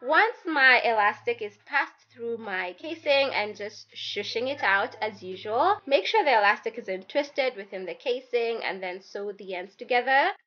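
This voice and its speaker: Raspy young woman with the flu. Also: a little high, animated, a little slow, hardly any pauses. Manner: chatty and playful, talks to viewers directly. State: sick with flu, hoarse. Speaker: DIY fashion YouTuber. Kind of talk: voice-over sewing tutorial. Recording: slightly dull audio with soft background music.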